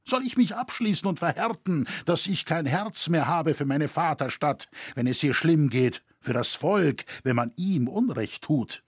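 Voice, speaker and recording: Man voicing an upright cathedral builder, earnest and impassioned, husky tone, storybook part. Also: a little high, animated, a little slow, few pauses, no room sound, studio quality, voice pushed up.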